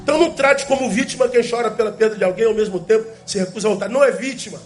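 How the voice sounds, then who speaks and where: A pastor with a strikingly high voice uses rhetorical questions in his sermon, slowing down whenever he repeats an important phrase. Soft music lingers low in the background.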